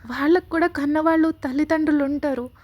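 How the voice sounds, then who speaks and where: A woman's voice: sits high, fairly even intonation, quick pace, a little mellow, natural voice. A woman voicing a bold, playful young woman in a storybook reading. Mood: indignant. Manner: teasing, indignant.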